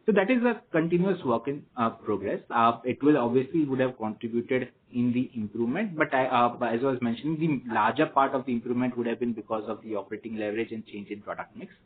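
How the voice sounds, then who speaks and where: A man with an Indian accent, a company executive giving measured, formal answers to analysts on an earnings call. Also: mid-range voice, slightly rough. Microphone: conference phone call. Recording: tinny phone line with noise.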